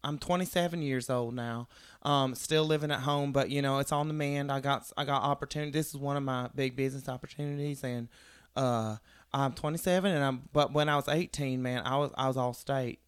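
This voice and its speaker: A man playing a dim, boastful twenty-seven-year-old small-town guy who still lives at home, rambling with halting restarts in an improvised comedy sketch. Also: medium pitch, steady tone, clear, resonant tone, no room sound, clean studio sound, natural voice.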